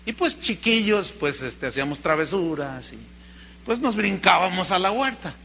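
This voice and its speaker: A man with a Mexican accent preaching a sermon, telling stories in an animated way and calling his listeners brother. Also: high voice, normal speed, creaky. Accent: Mexican Spanish. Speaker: pastor.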